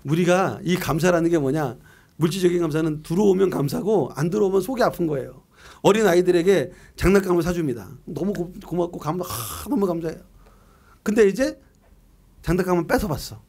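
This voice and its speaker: Delivering a year-end sermon, a middle-aged male pastor reads scripture and converses with himself through questions and answers. He speaks a little fast in a high, lively voice that's gravelly yet a little mellow.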